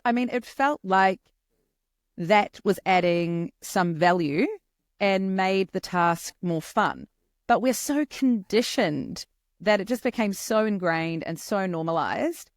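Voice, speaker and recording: A woman in her forties with a New Zealand accent, a podcast guest telling her story in a candid, lively way. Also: medium pitch, no echo, clean studio sound. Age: 40s. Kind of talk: podcast interview.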